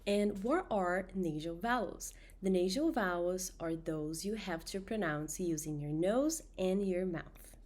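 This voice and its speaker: A woman with a Brazilian accent, a native Portuguese speaker, teaching pronunciation with deliberately enunciated nasal vowel drills for learners to repeat. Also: lowish voice, a little mellow. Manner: slow, deliberate enunciation of example words and nasal sounds. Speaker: language teacher.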